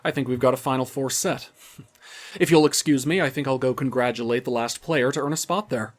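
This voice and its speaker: A man voices a condescending loan shark villain in an audio drama. He is smug and coy, with a mid-pitched male voice and an oily, mocking formality that taunts as it flatters. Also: fairly quick, lightly acted.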